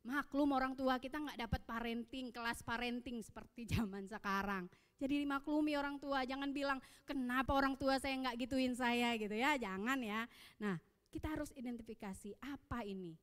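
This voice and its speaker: A woman's voice: on the high side, brisk. Indonesian woman preaching in an echoing hall. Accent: Indonesian, Samarinda. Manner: lively storytelling, acting out dialogue. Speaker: youth service speaker. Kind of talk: sermon with personal stories. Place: church hall. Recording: long echo of a church hall.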